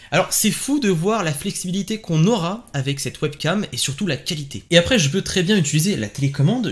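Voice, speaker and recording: Chatty, higher-voiced man reviewing gear. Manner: chatty, enthusiastic, peppered with little fillers. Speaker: tech reviewer. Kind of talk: casual product review. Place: home desk setup with LED lights behind him.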